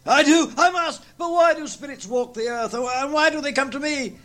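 A man's voice: extremely high pitch, normal speed, a bit bright, faint music behind, pitched above the performer's own voice. A man playing a stubborn old miser who scoffs and then pleads in fear before a ghost, in a theatrical manner. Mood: pleading.

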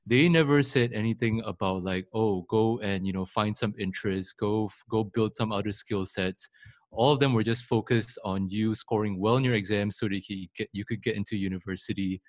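A man's voice: fairly low pitch, brisk, dry recording. Man from Singapore, rambling. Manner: rambling, many fillers and restarts. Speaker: podcast guest. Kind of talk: casual interview.

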